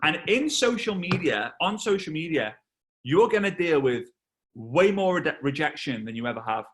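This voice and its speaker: Englishman in his thirties, bright and a touch high, animated trainer acting out a story over a video call. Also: moderate pace. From England. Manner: animated storyteller, acts out voices and shouts. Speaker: network marketing trainer.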